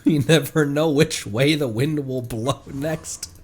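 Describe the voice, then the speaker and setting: A man streaming a game, commenting casually and musing aloud in an unhurried, giggly manner. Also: medium pitch.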